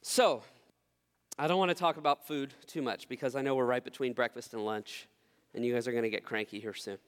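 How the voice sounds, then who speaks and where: A man's voice: medium pitch, steady tone, fairly quick, clear, resonant tone, in a large hall. A young man, preaching a sermon in a conversational, self-deprecating way. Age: 20s. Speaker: pastor.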